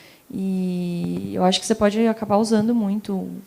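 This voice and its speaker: A woman talks fairly slowly in a dark, mellow tone that is somewhat breathy. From Minas Gerais, Belo Horizonte. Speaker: customer success professional, lecture speaker. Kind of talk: audience Q&A answer.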